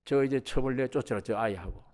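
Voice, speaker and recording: Impassioned male preacher. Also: fast. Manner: animated preaching, voices biblical characters in dialogue; rises sharply in pitch and volume when stirred. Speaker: pastor. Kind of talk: sermon. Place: church sanctuary.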